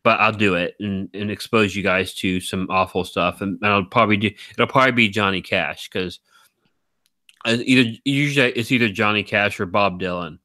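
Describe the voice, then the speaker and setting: A man hosting a live stream, talking in a rambling, teasing way with a deep baritone voice, very tired. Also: moderate pace, sharp tone, no echo, clean studio sound. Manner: rambling, teasing, laughs often. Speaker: stream host. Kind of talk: casual chat.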